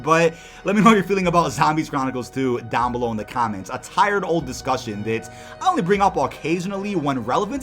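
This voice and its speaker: A man's voice: fairly high pitch, fairly bright tone. A man giving casual, conversational video commentary to viewers as an enthusiastic gaming content creator. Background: music.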